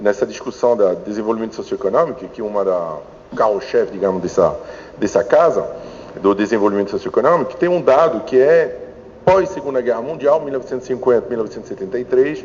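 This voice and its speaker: A man's medium-pitched voice at a fairly quick pace, lively intonation, and noticeable background noise. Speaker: economics professor. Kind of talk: academic panel talk. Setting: lecture hall panel with audience. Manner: halting, many fillers and repetitions.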